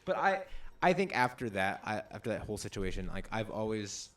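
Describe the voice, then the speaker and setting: A man's voice: lowish voice, sing-song, fairly quick. A man co-hosting a video game let's play, talking casually in a rambling, stop-start way full of fillers. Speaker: co-host of a gaming let's play. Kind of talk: casual chat while playing a video game.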